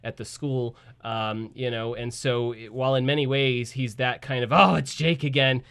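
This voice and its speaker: Male guest, voice actor, medium pitch, conversational and reflective, studio mic. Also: little pitch movement, normal speed, clear, resonant tone. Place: radio studio. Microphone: studio microphone.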